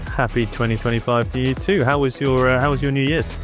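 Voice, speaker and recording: A man from England, co-hosting a podcast in relaxed chat, often repeating words as he gathers his thoughts. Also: mid-range voice, brisk, long reverb tail, faint music behind. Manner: easygoing, repeats words as he thinks. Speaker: podcast co-host. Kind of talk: casual chat.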